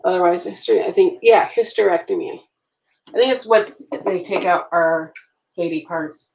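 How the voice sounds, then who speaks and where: A woman in her late thirties rambles through a relaxed chat with her viewers, answering their comments as she journals. Her voice sits low and carries a gravelly fry. The room around her is echoey. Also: normal speed, dull audio. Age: late 30s. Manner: chatty, reacts to viewer comments. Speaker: planner vlogger. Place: at home.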